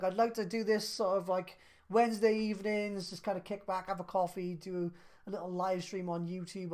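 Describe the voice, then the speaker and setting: Man, 30s, casual live stream host answering questions in a relaxed, rambling way. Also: high voice. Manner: laid-back and chatty, lots of fillers. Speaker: craft business live streamer.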